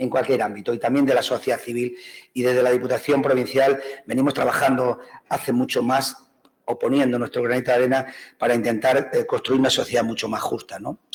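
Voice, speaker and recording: His intonation is monotone and flat. The man talks at a medium pitch and a fairly quick pace. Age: 60s. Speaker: provincial government president. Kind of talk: welcome speech. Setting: plenary hall, conference audience. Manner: halting, many repetitions.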